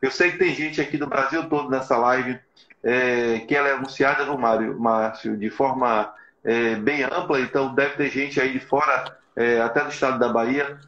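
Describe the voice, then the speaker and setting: A middle-aged man speaks over a video call from a small room. The sound is echoey and a bit dull, at a medium pitch. He hosts like an earnest motivator, urging listeners on and checking in with short tag questions. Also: steady tone, moderate pace, fairly bright tone. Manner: earnest, exhorting, frequently adds tag questions. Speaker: live stream host for a business support agency. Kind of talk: motivational live webinar talk. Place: small plain room indoors. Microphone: video call, device in front of him.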